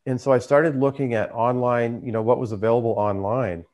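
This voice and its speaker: A man's voice: medium pitch, steady tone, a little fast, a little mellow. A man who hosts a trading channel, telling his story in a casual, conversational way. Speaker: trader and YouTube channel host.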